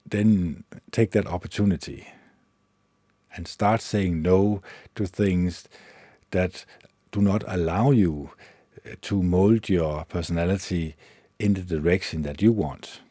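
Man with a Danish accent, very deep voice, husky and dark, halting delivery with fillers, dry close mic. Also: no echo. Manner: slow, halting, many fillers and restarts. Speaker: podcast host. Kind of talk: solo meditation podcast talk.

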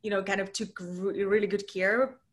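A woman's voice: mid-range voice, fairly even intonation, moderate pace. A woman in her thirties from Russia, a podcast guest chatting casually over a video call from home, with lots of fillers and frequent laughs. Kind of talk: casual interview chat.

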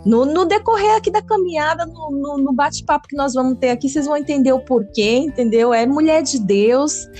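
A woman's voice: high voice, brisk, hardly any pauses, darkish tone. A woman with a Brazilian Portuguese accent hosting a casual Christian podcast, chatty and full of tag questions. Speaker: podcast host. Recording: faint background music.

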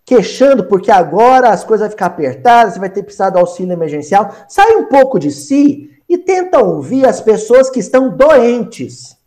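A man with a Brazilian accent teaching a Spiritist gospel study, animated, acting out small scenes and repeating phrases for emphasis. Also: high-pitched, fairly quick, hardly any pauses. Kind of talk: spoken gospel study lesson.

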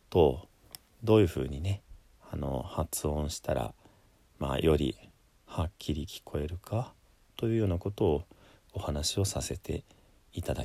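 A Buddhist priest, a man, who chants and then gives a slow, measured spoken lesson with frequent pauses and fillers. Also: very deep voice, vocal fry, mellow, dry recording. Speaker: Buddhist priest teaching pronunciation.

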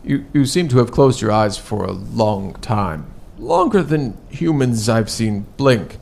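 An actor playing a hesitant, literal-minded male fantasy adventurer in an audio drama, halting and oddly formal. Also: medium pitch, sing-song, creaky, a little mellow, heavily acted. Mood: puzzled. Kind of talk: horror audio drama acting.

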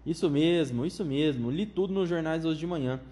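A man voicing an eccentric, excitable chocolate factory owner with a high, flute-like voice who gushes out strings of welcomes. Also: natural voice. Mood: gushing. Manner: gushing, rapid strings of enthusiastic welcomes.

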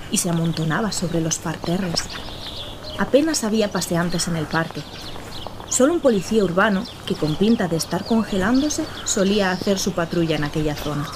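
A woman narrating an audio drama in the first person, reflective and measured. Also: lowish voice, background noise.

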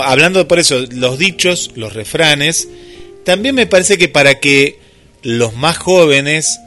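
A man's voice: fairly high pitch, sharp tone. A man with an Argentine Rioplatense accent hosting casual radio chat, thinking aloud with plenty of fillers. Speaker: radio host.

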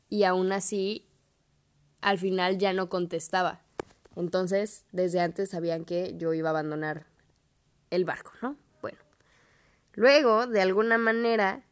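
Young Mexican woman, podcast host, casual slangy storyteller who swears and acts out quotes. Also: fairly low pitch. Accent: Mexican Spanish.

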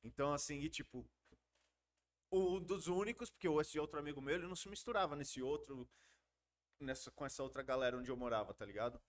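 A man from Brazil telling stories from his youth in a casual podcast chat, slangy and animated. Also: fairly high pitch, fast talker. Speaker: podcast guest.

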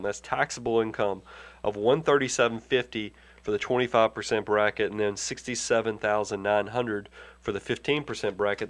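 A man hosts a personal finance program while nursing a head cold. He explains tax rules in an earnest, conversational way, often restarting and repeating words as he works through a point. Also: medium pitch. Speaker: financial advisor hosting a money show. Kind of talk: conversational radio-style advice.

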